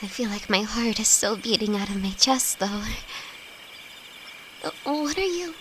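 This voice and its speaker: A woman's voice: mid-range voice, expressive, measured pace, close to an everyday voice. A woman acting a timid, affectionate young apprentice alchemist in an intimate audio roleplay, nervous, stammering and hesitant, speaking to her best friend. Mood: shy, nervous. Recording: insect and cricket noise behind voice. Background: night forest ambience with crickets.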